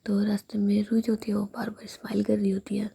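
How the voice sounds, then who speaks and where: A woman narrating a romantic story in a soft, steady whisper. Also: medium pitch, fast, creaky, a little hiss or hum.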